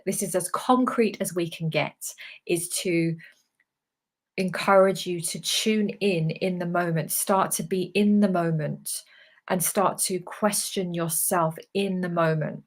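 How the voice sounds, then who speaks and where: A woman speaking as a spiritual medium in a live channeling session, relaying guidance in a halting, emphatic way with repeated phrases. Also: lowish voice, steady tone. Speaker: spiritual channeler relaying messages from guides to viewers.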